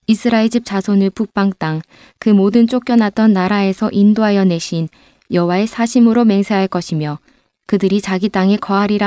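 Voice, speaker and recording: Mellow smooth-voiced woman reading scripture. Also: medium pitch, no echo, clean studio sound. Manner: measured, even recitation. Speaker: scripture reader. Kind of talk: steady scripted Bible reading.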